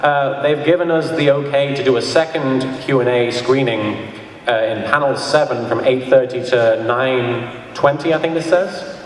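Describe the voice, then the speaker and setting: A man's voice: medium pitch, normal speed, a little hiss or hum. A man talking casually and jokingly to an audience as a panelist at a convention. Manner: joking, informal. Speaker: panelist and web parody series creator. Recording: echoey hall from far off, crowd audible.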